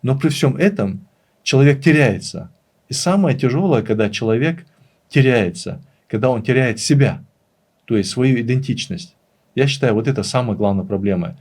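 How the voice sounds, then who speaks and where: Earnest man with a mid-pitched voice, explaining. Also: expressive, normal speed, darkish tone, breathy edge. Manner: earnest, emphatic repetition of phrases. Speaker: interview guest, language teacher and author. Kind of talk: conversational interview, explaining and reminiscing.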